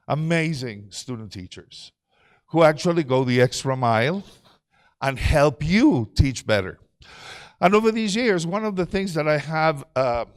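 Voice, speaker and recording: A middle-aged man giving a conference presentation to teachers, engaging the audience with questions. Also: a little high. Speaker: conference speaker.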